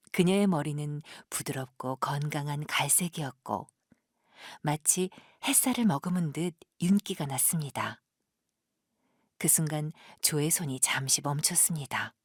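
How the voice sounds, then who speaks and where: Low, breathy woman storyteller. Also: no room sound, clean studio sound. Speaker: narrator, professional voice actor. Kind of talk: scripted audio drama narration.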